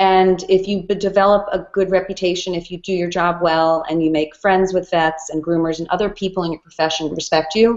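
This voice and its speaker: A woman with a New York accent speaks at a fairly quick pace in a fairly low pitch, with an enthusiastic tone. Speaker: dog trainer. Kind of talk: interview. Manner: fast.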